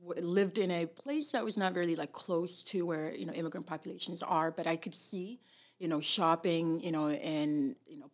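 A woman from Somalia and Tennessee with a husky voice, telling her story casually as an interview guest. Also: lowish voice, fairly even intonation, normal speed. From born in Somalia, grew up in Tennessee, US. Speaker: interview guest, immigration lawyer.

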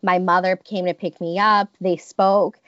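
Woman in her 30s, kinda low voice, talks slow and careful with lots of ums, muffled dry audio. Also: flat delivery, fairly bright tone, dry recording. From United States. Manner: thoughtful, hesitant, many restarts and ums. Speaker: interviewee. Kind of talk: reflective personal storytelling.

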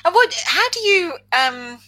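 Bright-voiced, teasing female co-host. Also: very high-pitched, sing-song, a little slow. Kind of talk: casual chat, interviewing.

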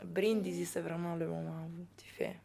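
Woman speaking french, bit low voice, laughs a lot, looks for words sometimes. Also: normal speed, gravelly, slight background noise. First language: Italian. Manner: lively, laughs often, searches for words. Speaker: staff member at a youth shelter. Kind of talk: casual radio interview.

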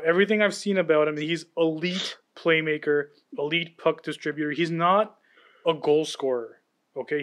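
Confident man, slightly high voice. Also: fairly bright tone, muffled recording. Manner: confident, breaks down players with enthusiasm. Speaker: podcast co-host. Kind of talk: casual sports chat.

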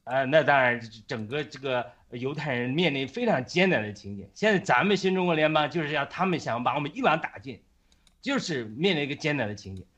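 A man casually retelling a Bible story on a Christian chat, halting often with fillers and restarts. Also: mid-range voice, animated, fairly bright tone. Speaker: Christian speaker on a faith chat.

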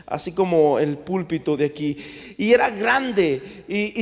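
A man preaching a sermon to his congregation in a church, impassioned, swinging between loud calls and hushed asides. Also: sits high. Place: church sanctuary. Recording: long church reverb.

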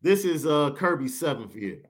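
Male podcast host, excitable slangy sports talk, lively pitch. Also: moderate pace. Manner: excited, slangy, reads super chats. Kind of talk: animated sports podcast banter.

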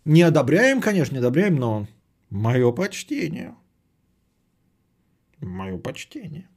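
A man's voice: fairly high pitch, big pitch swings, takes it slowly, a little mellow. A man hosting a podcast, chatting casually and sardonically as he answers audience messages, often swearing and repeating phrases. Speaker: podcast host.

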